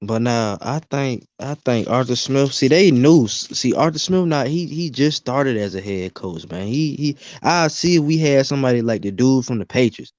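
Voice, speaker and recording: A man's voice: medium pitch, animated, moderate pace, few pauses, darkish tone, no room sound. A man talking sports in a casual, rambling way over an online call whose audio turns metallic and glitchy. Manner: rambling, repeats himself. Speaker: call-in guest. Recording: dull, muffled online call line.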